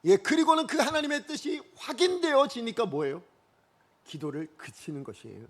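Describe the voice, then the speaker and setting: A man's voice: extremely high pitch, big pitch swings, normal speed. A male pastor preaching a Sunday sermon, often putting rhetorical questions to the congregation. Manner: leads the congregation in unison scripture reading.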